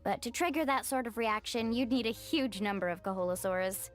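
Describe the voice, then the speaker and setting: A woman's voice: a little high, fairly quick, faint music behind, close to an everyday voice. A woman playing an upbeat, confident young adventure guide in a video game. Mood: curious. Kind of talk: video game character acting.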